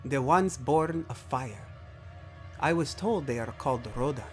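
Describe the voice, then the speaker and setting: A man voicing an earnest, idealistic ancient alien nobleman in a sci-fi audio drama, formal and deliberate, with music behind. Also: mid-range voice, animated, lightly acted. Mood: grave.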